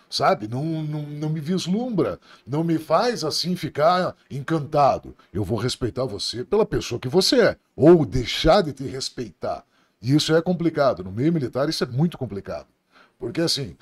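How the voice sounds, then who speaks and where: A man's voice: a little high, breathy edge. A middle-aged man from Brazil, a police officer telling stories on a podcast in a blunt, profane, laughing way. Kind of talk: casual podcast storytelling.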